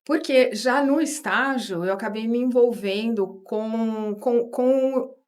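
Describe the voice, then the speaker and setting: A woman in her fifties from São Paulo with a São Paulo accent, a guest talking through her career in a relaxed interview, with frequent tag questions and restarts. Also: fairly high pitch, takes it slowly. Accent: São Paulo Portuguese. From São Paulo, Brazil. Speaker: guest, board advisor. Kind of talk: conversational interview storytelling.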